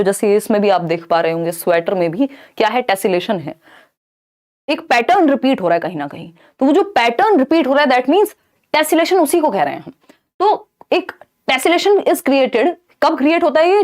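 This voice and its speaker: A woman's voice: on the high side, a little mellow. A young Indian woman giving an exam-prep lecture, explaining in Hindi with English terms and answering her own questions. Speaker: teacher.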